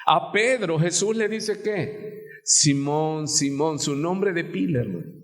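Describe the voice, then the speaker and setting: Slow, high-voiced Mexican pastor. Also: male voice, big pitch swings. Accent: Mexican Spanish. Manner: rhetorical questions to the congregation. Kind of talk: sermon. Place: church sanctuary. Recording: long church reverb.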